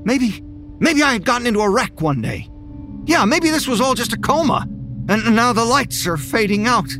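An actor playing an anxious man who unravels into paranoia, stammering and halting as he narrates. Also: very high voice, very animated, music in the background, full character voice. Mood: brooding narration. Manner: halting, stammering, rising to desperate pleading. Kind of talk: audio drama acting with narration.

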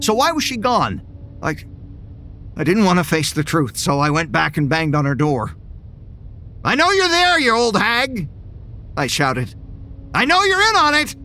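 An actor playing an anxious man who unravels into paranoia, stammering and halting as he narrates. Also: on the high side, a bit bright. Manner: halting, stammering, rising to desperate pleading. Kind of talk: audio drama acting with narration.

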